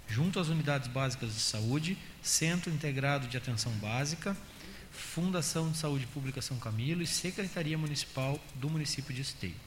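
A man with a Brazilian accent reading council motions aloud in a steady, measured official tone. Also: on the high side. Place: council chamber. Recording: echoey chamber audio with faint hiss.

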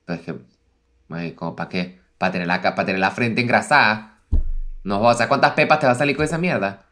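A man's voice: fairly low pitch, a little fast, bright, forceful tone. Wry Venezuelan guy, casual podcast banter. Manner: wry, teasing, swears freely. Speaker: podcast co-host. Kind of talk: casual chat.

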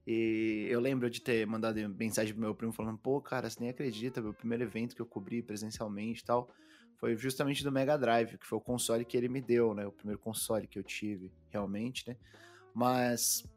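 A man, co-hosting a podcast from home and telling stories in a relaxed way, full of fillers. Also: medium pitch. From Brazil. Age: 20s. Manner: relaxed storytelling with many fillers. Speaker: podcast co-host. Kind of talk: casual podcast chat.

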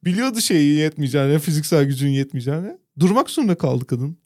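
Guy with a high voice rambling through a funny story, dry close sound. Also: animated, mellow, no room sound. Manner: drawn-out comic storytelling. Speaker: podcast co-host. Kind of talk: casual chat.

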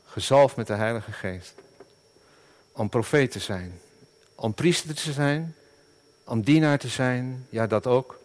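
A middle-aged man, a pastor, preaching a sermon in an earnest, halting way with many fillers and restarts. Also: mid-range voice.

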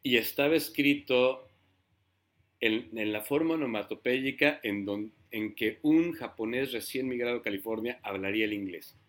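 Man, writer, panel talk, reflective, halting, repeats words. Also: mid-range voice. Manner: thoughtful, halting, repeats words, clears throat.

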